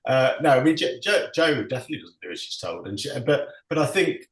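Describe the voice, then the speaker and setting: A man's voice: mid-range voice, very animated, quick pace. A man chairing an online panel discussion, stumbling over his words with many repeats and frequent laughter, heard over a video call. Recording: roomy echo.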